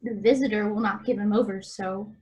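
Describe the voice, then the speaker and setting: A woman's voice: mid-range voice, fairly even intonation, fairly quick, darkish tone, lightly acted, rough recording. A woman playing a glib, jeering nobleman in a Shakespeare radio play, with teasing, quippy delivery.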